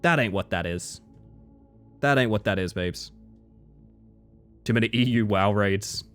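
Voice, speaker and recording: With soft music in the background, a man with an Australian accent and a lowish voice chats casually at a measured pace with his live-stream audience while gaming. He reads chat aloud and swears now and then.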